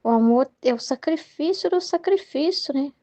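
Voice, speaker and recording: A woman's voice: high voice, animated, normal speed, mellow. A young Brazilian woman leading a Catholic study, talking in a meandering way and tagging her sentences with "né?" and "entendeu?". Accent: Brazilian Portuguese. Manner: meandering, heavy use of "né?" and "entendeu?" tags. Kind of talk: spoken reflection on a devotional book.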